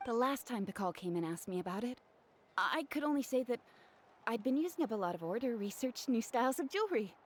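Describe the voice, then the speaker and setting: A woman's voice: a little high, lively intonation, a little fast. A woman voicing a friendly, chatty young female jeweler in a video game, slightly flustered. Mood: relieved, apologetic.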